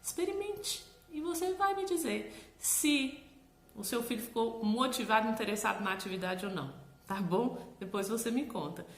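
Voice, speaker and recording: Woman, Brazilian Portuguese accent, literacy teacher, encouraging, higher voice, lively swinging pitch, echoey room. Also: normal speed. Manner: animated, encouraging, checks in with "tá bom?". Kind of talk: instructional talk to parents.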